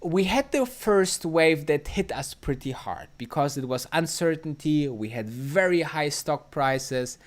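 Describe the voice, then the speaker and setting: A man's voice: on the high side, lively intonation, unhurried, few pauses. A man from Germany with a German accent, hosting a casual live stream and reading out chat comments, rambling with many fillers and restarts. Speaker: livestream host answering chat.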